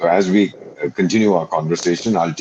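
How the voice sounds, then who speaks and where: A man speaks. His tone is dark and mellow. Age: 70s. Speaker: retired diplomat. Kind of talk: interview.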